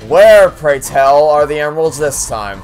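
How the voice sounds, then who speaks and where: A man's voice: fairly high pitch, expressive, measured pace, darkish tone, faint music behind, rough recording. A young man giving sarcastic, exasperated commentary while playing a video game, swearing and complaining often. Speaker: let's play host. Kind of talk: profane frustrated gameplay commentary.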